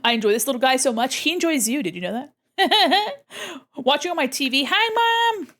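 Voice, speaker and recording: A woman's voice: sits high, lively intonation, normal speed, fairly bright tone. A young woman streaming her drawing live, chatting playfully with viewers and giggling often. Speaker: VTuber art streamer. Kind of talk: casual live-stream chat while drawing.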